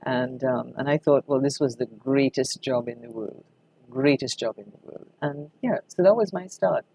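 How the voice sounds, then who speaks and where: A woman's voice: rumbling low, moderate pace, gravelly, dark tone, husky, dry recording, low-quality recording. An older woman with a Trinidadian accent reminiscing conversationally in an interview, telling anecdotes expressively as a veteran broadcaster.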